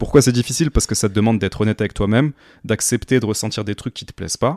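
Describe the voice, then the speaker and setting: In an unremarkable speaking voice, a man with a fairly low pitch uses lively intonation, recorded dry and close with no echo and with a very clean, silent background. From France. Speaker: podcast host. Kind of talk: casual chat.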